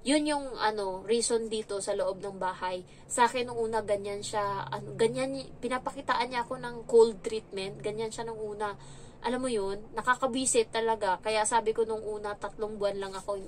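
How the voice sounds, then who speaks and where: A woman's voice: medium pitch, a little hiss or hum. A young adult woman from the Philippines who works as a domestic helper, telling a frank, chatty story in a casual vlog. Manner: chatty, frank, animated when retelling.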